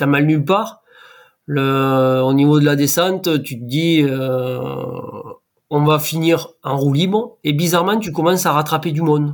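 A man speaks at a fairly slow pace in an unremarkable speaking voice. His pitch is fairly high, with ordinary variation. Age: 40s. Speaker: amateur trail runner and public works manager. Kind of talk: interview storytelling.

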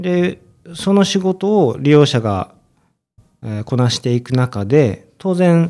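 A man talks very slowly in a dark, mellow tone, with very wide pitch swings and long, frequent pauses. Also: fairly high pitch for a man. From Niigata, Joetsu. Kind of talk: casual interview.

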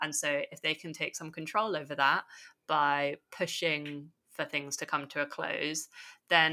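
On a very clean recording with a silent background, a woman with a London accent speaks at a moderate pace with a very deep, low pitch, a bright, sharp tone and monotone, flat intonation. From London, England. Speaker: PhD researcher. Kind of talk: casual interview discussion.

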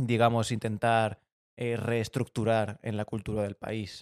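A man talks with a Castilian accent. The recording is very clean, with a silent background and a dry, close sound with no echo. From Spain. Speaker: podcast co-host. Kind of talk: casual chat.

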